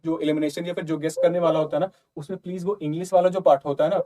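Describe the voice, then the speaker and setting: A man talks through exam questions like a friendly tutor, loose and conversational. His voice sits a little high but sounds soft and mellow, and he keeps checking in with his listeners as he reasons aloud. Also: little pitch movement, racing. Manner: conversational, repeats "ठीक है" and "ना" often. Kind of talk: casual explanatory lesson.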